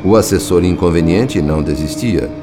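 An actor playing a grave, observant male narrator of spirit-world events in a radio drama, with literary, deliberate delivery. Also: deep voice, lightly acted. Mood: grave storytelling.

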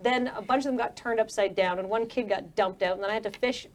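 A woman's voice: a little high, fairly quick, fairly bright tone, close to an everyday voice. A woman voicing an annoyed teenage girl who rents boats, complaining in an exasperated, grumbling way. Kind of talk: tabletop role-play character voice.

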